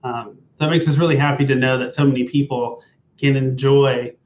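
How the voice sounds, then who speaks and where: A young adult man co-hosting a casual live-stream chat, relaxed and informal. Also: medium pitch, moderate pace. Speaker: vlog co-host. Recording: roomy, slightly dull live-stream audio.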